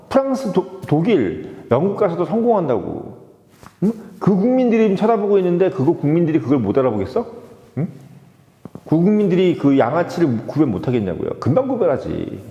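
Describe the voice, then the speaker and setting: A man giving opinionated solo political talk, animated, often prodding listeners with rhetorical "eh?" questions. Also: high voice, fairly quick. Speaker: political commentator. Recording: echoey room with long reverb, dull lo-fi sound.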